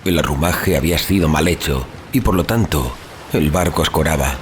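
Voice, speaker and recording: An actor playing a grave, rational, educated traveler telling his story in solemn, measured, formal literary narration for an audio drama. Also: extremely low pitch, background noise. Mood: solemn, reflective. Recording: music playing behind the voice. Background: background music.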